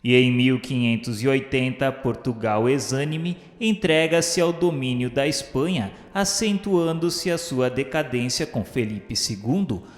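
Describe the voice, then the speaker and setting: A man with a Brazilian accent reading a solemn radio drama narration in a measured, grandiloquent way. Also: mid-range voice. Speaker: narrator of a religious radio novela. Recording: reverberant hall echo, music underneath. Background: background music.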